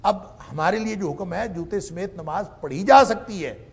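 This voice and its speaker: Male lecturer, gravelly and a bit high, recites verses slowly, then explains with force. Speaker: professor teaching Quran commentary. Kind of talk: Quran exegesis lecture.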